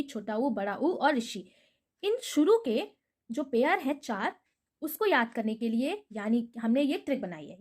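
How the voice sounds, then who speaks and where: In a video lesson, a high-voiced woman teaches Hindi grammar, patiently repeating memory tricks and posing rhetorical questions before answering them herself.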